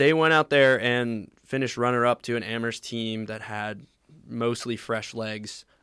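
With a bright, sharp tone, a man speaks at a medium pitch and fairly slow pace, his intonation fairly even. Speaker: track runner, miler. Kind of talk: casual interview.

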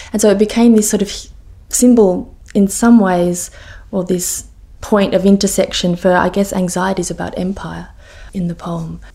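A woman with an Australian accent speaks at a moderate pace, her somewhat breathy voice at medium pitch with a dark, mellow tone and fairly even intonation. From Australia, Sydney. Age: young. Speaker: poet. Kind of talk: interview. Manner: halting.

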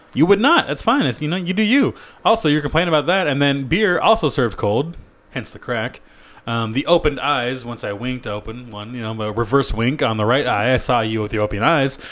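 Here a man with a plain, everyday voice and medium pitch speaks fairly quickly with lively intonation. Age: 30s. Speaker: podcast co-host. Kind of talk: casual chat. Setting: studio.

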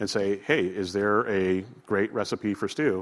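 In an American accent, a man with a fairly low pitch speaks at a moderate pace in a normal speaking voice. The recording is very clean with a silent background. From US. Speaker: conference speaker, UX practitioner. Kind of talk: conference talk. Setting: large room with audience. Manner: informal, with frequent fillers.

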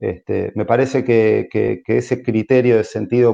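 The speaker is a man with a medium-pitched voice. He goes at a fairly slow pace with fairly even intonation. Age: 30s. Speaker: human resources director. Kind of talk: interview. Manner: halting, repeats words.

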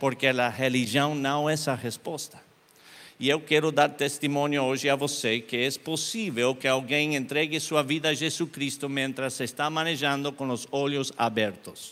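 A man speaks with a bright, sharp tone. His fairly high voice keeps a fairly even intonation. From Argentina. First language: Spanish (speaking Portuguese). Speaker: pastor. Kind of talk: sermon. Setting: church. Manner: halting.

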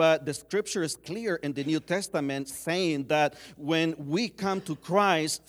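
A man speaks with a Spanish accent at a fairly high pitch. The recording is very clean, with a silent background. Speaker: preacher. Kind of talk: sermon. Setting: church.

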